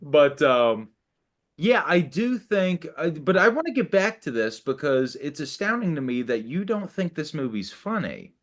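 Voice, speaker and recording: A young man from the Atlanta suburbs with a slight New England tinge to his speech, excitably chatting and swearing as a podcast co-host. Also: on the high side. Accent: slight New England-tinged, not Southern. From Atlanta suburbs, Georgia, USA. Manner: excitable, swearing, quick to laugh, animated storytelling. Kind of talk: casual chat.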